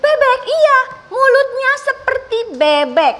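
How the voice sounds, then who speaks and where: Slow, high, bright-voiced woman teacher. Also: very animated. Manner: slow, exaggerated enunciation with lots of praise. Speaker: special-needs schoolteacher. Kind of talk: radio lesson for children.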